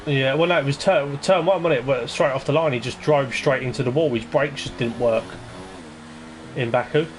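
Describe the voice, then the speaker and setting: Male league commentator, hesitant, rambling previews, mid pitch. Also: normal speed, slight background noise. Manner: rambling and hesitant, lots of ums. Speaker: lead commentator of an online racing league. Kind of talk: casual race-preview commentary.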